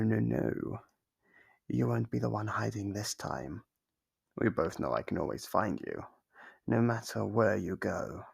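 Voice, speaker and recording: Guy doing a sadistic monster captor for horror asmr, super creaky gravelly voice, slow and teasing, toying with prey. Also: fairly low pitch, a little mellow, full character voice. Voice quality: gravelly, husky voice. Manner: slow, drawn-out, teasing delivery. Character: sadistic male monster captor, playfully taunting and menacing. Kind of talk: ASMR horror roleplay monologue.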